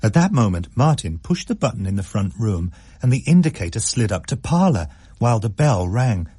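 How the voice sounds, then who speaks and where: Low, husky-voiced male storyteller. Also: sing-song, moderate pace, dark tone, no room sound, studio quality. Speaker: story reader. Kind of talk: storytelling narration.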